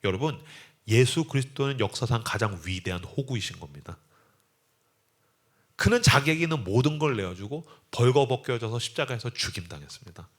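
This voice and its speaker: A man preaching a sermon as a guest revival speaker, telling stories with lively, acted-out delivery. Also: medium pitch, brisk. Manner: animated storytelling that acts out voices.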